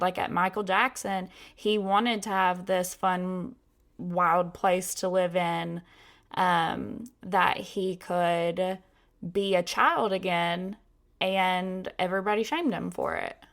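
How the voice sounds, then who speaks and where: A woman's voice: fairly low pitch, fairly even intonation, takes it slowly, a bit bright. A young woman hosting a podcast, talking casually with many filler words. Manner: chatty, lots of "like" fillers. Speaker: podcast host.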